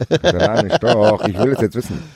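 A man's voice: lowish voice, animated, darkish tone, husky, no room sound. A man co-hosting a casual football podcast, bantering and teasing the others. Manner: bantering, teasing, quick to laugh. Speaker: podcast co-host. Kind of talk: casual chat.

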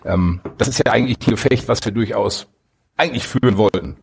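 A man with a fairly low, husky voice speaks as a lawyer guest in a relaxed-format discussion. He explains things in a winding, discursive way. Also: brisk. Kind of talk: conversational legal discussion.

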